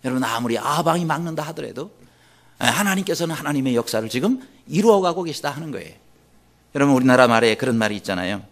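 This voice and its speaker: A man's voice: mid-range voice, expressive, fast. A male pastor preaching a sermon, asking the congregation questions and voicing anguished quoted pleas.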